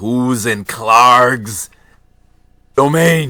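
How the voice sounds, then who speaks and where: In a rumbling put-on character voice, a man speaks at a medium pitch. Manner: grumbling, rumbling.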